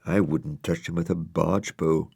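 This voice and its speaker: A man's voice: sits low, steady tone, normal speed, gravelly, a little mellow, breathy edge, no room sound, heavily acted. A man voicing a grumpy, vain and sardonic dog in a storybook reading, with a dry, grumbling delivery. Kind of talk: storybook character voice.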